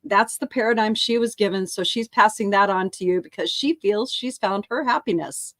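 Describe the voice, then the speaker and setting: A woman's voice: medium pitch, moderate pace, a bit bright, no room sound, studio quality. A middle-aged woman co-hosting a casual talk show, speaking candidly, swearing freely and laughing often. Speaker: co-host. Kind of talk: casual chat.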